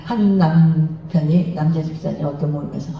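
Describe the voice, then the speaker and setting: A woman giving a lively, lecture-style sermon on marriage in a large church hall, acting out little dialogues and having the congregation repeat phrases after her. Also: low voice, moderate pace, creaky, slight background noise. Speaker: guest speaker at a church revival meeting. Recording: dull, very echoey hall, mic at a distance.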